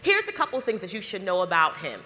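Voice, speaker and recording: A woman emcees a live conference in a large hall, whipping up the crowd with upbeat questions. Her voice sits on the low side yet swings hugely in pitch, and she talks fast with a bright, forceful tone. The hall's reverb is audible on the recording.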